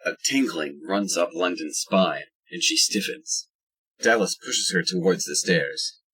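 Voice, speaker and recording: A man narrates an audio drama from a script. His voice is very low and noticeably husky. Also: animated, unhurried, pushed and bright, poor audio.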